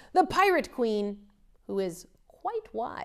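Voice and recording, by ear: Text is read aloud in a natural voice.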